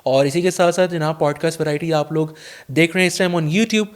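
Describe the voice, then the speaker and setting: A man's voice: a little high, fairly quick. A young man hosting a podcast interview, chatty and formal with his audience, using many fillers. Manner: chatty, warm formal address, frequent fillers. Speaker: podcast host. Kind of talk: casual interview chat.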